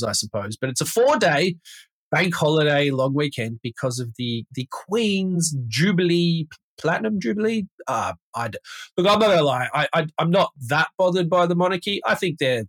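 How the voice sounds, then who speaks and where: A man's voice: on the high side, fairly bright tone, no room sound. An Australian man hosting a podcast, nasal from a cold, chatting casually and rambling with frequent restarts. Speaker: podcast host. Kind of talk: casual conversational podcast chat.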